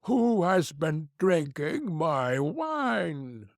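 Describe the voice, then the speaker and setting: A man's voice: fairly high pitch, big pitch swings, drawn-out words, no room sound, studio quality, heavily acted. A man voicing seven little dwarfs in an audiobook, asking indignant questions in turn. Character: seven little male dwarfs, fussy and puzzled.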